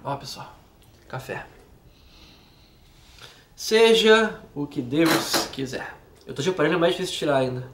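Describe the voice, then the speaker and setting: A young man with a southern Brazilian gaúcho accent rambles casually through fan questions, his voice sitting high for a guy. He is picked up from a few feet away by a camera mic outdoors, with clear wind and traffic noise around him. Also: expressive, a little slow, pauses often, recorded from a distance. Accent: southern Brazilian gaúcho Portuguese. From Rio Grande do Sul, Brazil. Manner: chatty, lots of filler tags, laughs at himself. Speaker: gaming YouTuber. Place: outdoors in a wooded park.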